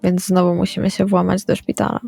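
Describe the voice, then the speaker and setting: Woman playing a mellow, flat-toned earnest vampire woman. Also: fairly low pitch, fairly quick, vocal fry, husky, no room sound, soft background music, full character voice. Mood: earnest, subdued. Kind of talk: in-character role-play dialogue.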